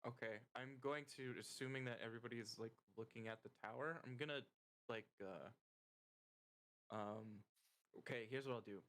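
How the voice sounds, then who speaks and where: A man playing a tabletop game with friends, a loud talker in casual chat. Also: medium pitch, moderate pace. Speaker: player in an online tabletop game.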